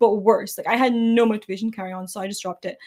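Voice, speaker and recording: In a Scottish accent, a woman talks at a very fast pace in an animated tone, on a very clean recording with a silent background. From Scotland. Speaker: anime streamer. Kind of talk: casual live stream chat. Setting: live stream.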